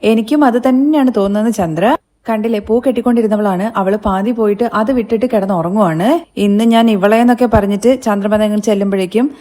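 A woman's voice: medium pitch, a little fast, mellow. A woman casually retelling a TV serial episode, chatty and addressing listeners with friendly asides as she goes. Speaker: TV serial recap narrator. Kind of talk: casual spoken story recap.

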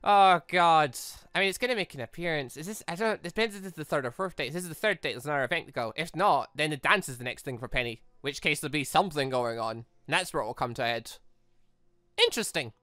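A man giving casual, animated game commentary as he thinks aloud in a rambling, expressive way. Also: a little high, quick pace, no room sound. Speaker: gaming channel host. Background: background music.

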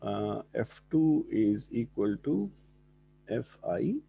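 A man with a South Asian accent teaches in a soft-edged, husky voice with a mellow, relaxed tone. He works through technical material as a lecturer, slipping between English and Hindi-Urdu phrases and putting short questions to his students. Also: mid-range voice, slow pace. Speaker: engineering lecturer. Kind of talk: classroom lecture with board working and questions to students.

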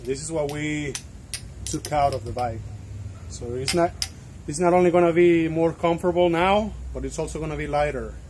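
Young man, slightly high voice, noisy recording. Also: normal speed, a little mellow. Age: young adult. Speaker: DIY bike vlogger. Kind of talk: step-by-step tutorial narration.

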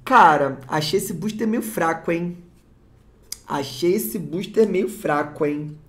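Slow-paced Brazilian unboxing host. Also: mid-range voice. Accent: Brazilian Portuguese. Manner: excitable, swears, repeats exclamations. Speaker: card-opening channel host. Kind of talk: casual unboxing commentary.

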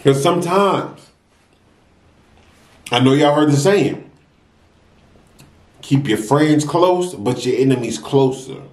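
The voice is a young American man with an average-pitched delivery, recorded in a roomy, echoing space. He chats casually to camera like a mukbang host. His advice comes out emphatic and a little preachy, leaning on repetition. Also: animated, slow, pauses often, a little mellow. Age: young adult. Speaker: mukbang vlogger. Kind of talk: casual advice talk to camera while eating. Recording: roomy echo.

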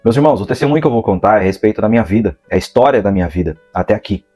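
A man's voice: fairly low pitch, racing, mellow, faint music behind. A man in his thirties from the São Paulo interior with a Brazilian Portuguese accent, giving an earnest religious testimony to camera on a lapel mic, drawing out key words for emphasis. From Brazil, interior of São Paulo state. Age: 30s. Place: indoor room, seated in a gaming chair. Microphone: clip-on lapel mic.

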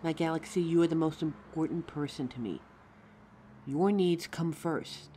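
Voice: mid-range voice, moderate pace, warm tone, a little hiss or hum, close to an everyday voice. A performer playing a caring, anxious young werewolf partner in a roleplay audio drama, tender and fussing, stammering when flustered.

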